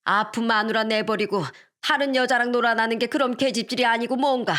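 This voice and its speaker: A woman's voice: fairly high pitch, steady tone, fairly quick, fairly bright tone, natural voice. A woman voicing an elderly grandmother who scolds her son-in-law in blunt, old-fashioned speech. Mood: furious.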